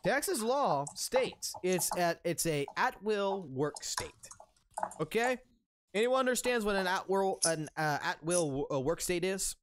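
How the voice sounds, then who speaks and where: A man's voice: high-pitched, expressive, a little slow. A man in his thirties ranting on stream in an open discussion, heated and profane, restarting his sentences often. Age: 30s.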